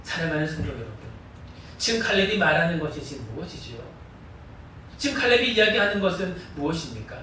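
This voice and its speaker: A man's voice: a little high, very animated, quick pace, bright, forceful tone, a little hiss or hum. A man pastor preaching a sermon in a church, leading the congregation in call-and-response. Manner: earnest preaching with repeated call-and-response prompts. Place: church sanctuary. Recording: echoey church hall, distant mic.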